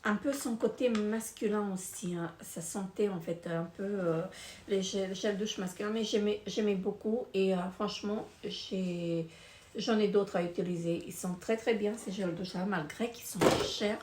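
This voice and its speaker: A woman's voice: mid-range voice, fairly even intonation, measured pace, a little mellow. A middle-aged woman casually reviewing finished beauty products, hesitant, with many fillers and repeated words. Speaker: beauty vlogger. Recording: echoey room with faint noise.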